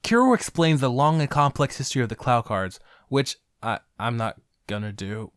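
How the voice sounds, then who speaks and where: A man's voice: medium pitch, expressive, normal speed, a bit bright, dry recording, clean studio sound. A young man hosting a comedic review video, sarcastic with jokey asides. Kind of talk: comedic narration.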